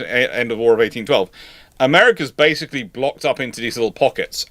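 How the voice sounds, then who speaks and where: Guy on a livestream answering questions, rambles and backtracks, crisp bright voice, no room echo. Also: medium pitch. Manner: rambling, thinking aloud, self-correcting. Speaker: host of live question-and-answer show. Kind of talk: unscripted discussion, answering viewer questions.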